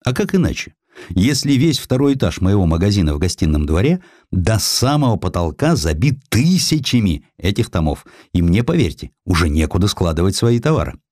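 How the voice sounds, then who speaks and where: A man voicing a gruff, plain-spoken merchant publisher in an emphatic, forthright way for an audiobook. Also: low voice, sing-song, a little fast, a little mellow, dry recording, clean studio sound. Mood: frank.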